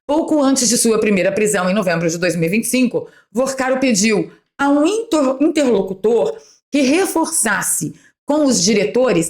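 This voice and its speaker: A woman in her fifties with a Brazilian Portuguese accent hosts an opinion commentary vlog, sarcastic and indignant, speaking straight to her viewers. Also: medium pitch. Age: 50s. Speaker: political commentary host.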